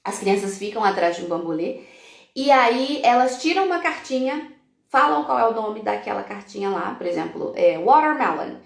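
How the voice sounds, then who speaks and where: Speaking in a mid-range voice from an echoey room, a woman teacher from Brazil addresses other teachers on a live stream. She lays out classroom activities one step at a time and sprinkles in English example words.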